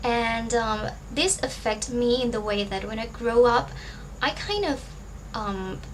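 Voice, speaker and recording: The speaker has a Thai accent and talks at a very slow pace. Audible room echo surrounds the voice. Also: woman. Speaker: book vlogger. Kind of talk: casual vlog talk to camera. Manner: hesitant, many fillers.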